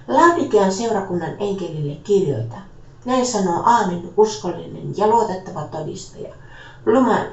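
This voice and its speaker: A woman reading Bible passages aloud in a steady, measured way, now and then correcting a slipped word. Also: fairly low pitch. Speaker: scripture reader. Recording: echoey, dull lo-fi room sound.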